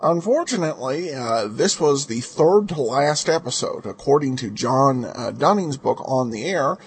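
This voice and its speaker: A man hosting a podcast with casual commentary, halting and stammering as he repeats his words. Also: medium pitch, expressive, slightly rough. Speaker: podcast host.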